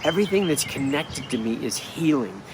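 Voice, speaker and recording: Speaking into a phone or camera held at arm's length, a middle-aged spiritual healer delivers a casual vlog monologue outdoors in a wooded, leafy yard. His mid-range voice is stuffed-up and nasal, moving at a moderate pace as he rambles animatedly and restarts often. Faint insects and distant traffic hum softly in the background.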